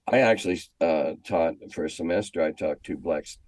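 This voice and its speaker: Deep-voiced older American man telling stories. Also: brisk, a little mellow, no room sound. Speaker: guest, former schoolteacher. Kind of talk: casual storytelling interview.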